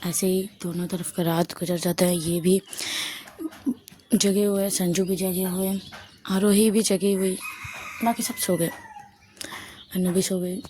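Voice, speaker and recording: Soft-spoken woman telling a story. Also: fairly low pitch, a little hiss or hum. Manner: soft-spoken, often drops to a whisper.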